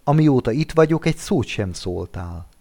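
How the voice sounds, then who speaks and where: A man reading a storybook and voicing a grumpy, gruff old white-haired nobleman. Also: mid-range voice, very animated, darkish tone, pitched above the performer's own voice. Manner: gruff, grumbling.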